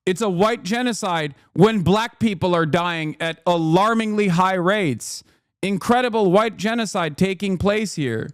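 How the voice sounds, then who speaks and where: A man hosting a livestream, giving sarcastic, profane, animated reaction commentary. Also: sits high, measured pace, clear, resonant tone, dry recording, clean studio sound. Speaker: livestream host.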